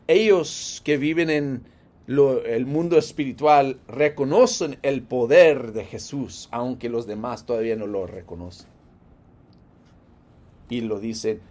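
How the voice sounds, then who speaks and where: A man preaching a sermon in an expressive way, rising loud and falling hushed, with frequent light laughs. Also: mid-range voice.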